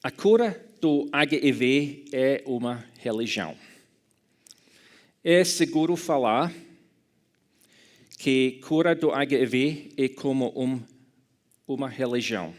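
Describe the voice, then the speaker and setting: A man from Scotland delivers a lecture with a clear Scottish English accent. He talks at a slow, unhurried pace in a mid-range voice, carefully choosing his words and fixing small slips as he goes. A dry humor surfaces now and then. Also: mid-range voice. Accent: Scottish English speaker speaking Portuguese. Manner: careful, halting delivery with self-corrections. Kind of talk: academic lecture in a second language.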